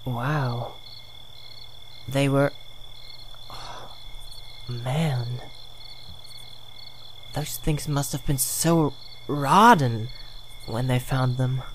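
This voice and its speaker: A performer playing a laid-back horror storyteller who talks in a halting way, with pauses. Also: mid-range voice, a little hiss or hum. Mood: wry. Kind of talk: scripted horror storytelling and acted banter.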